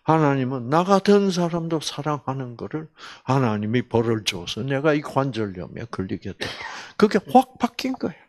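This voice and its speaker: A man, a doctor, giving a faith-based health lecture: he tells a story with sudden loud jumps, quizzes the audience with constant questions, and drops to a whisper to act out quoted lines. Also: medium pitch, very animated, normal speed. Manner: acts out quoted speech and drops to whispers for effect.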